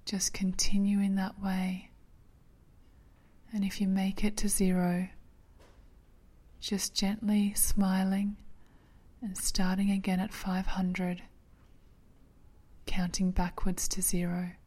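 A woman narrating a guided sleep meditation in a soft, breathy, half-whispered, soothing way, like a sleep story narrator. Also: medium pitch, monotone, slow, pauses often.

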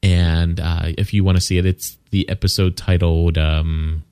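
A man with a fairly low voice chats casually as co-host of a fan podcast. He talks in an animated, joking way, stumbles over repeated words and slips into mocking sing-song quotes. The sound is dry and close, with no room echo. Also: a little slow, clean tone. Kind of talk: casual chat.

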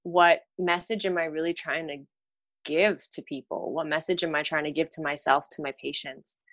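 This Romanian woman has a deep voice and speaks at a normal speed. Appearing as a guest on a casual podcast interview, the dental hygienist talks with candor and animation about her work and life, and laughs at herself.

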